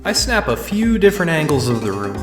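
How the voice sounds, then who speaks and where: A man playing an observant, wry visitor narrating his own tour in a fan audio drama, measured and dry. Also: a little high, sing-song. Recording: roomy sound under music. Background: music.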